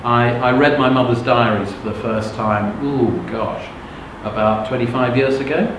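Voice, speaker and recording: A man's voice: medium pitch, fairly even intonation, normal speed. A middle-aged man from England, a native Russian speaker, telling his life story to a live audience as a motivational speaker. He talks frankly and conversationally, often checking whether listeners follow. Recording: very echoey room with background noise.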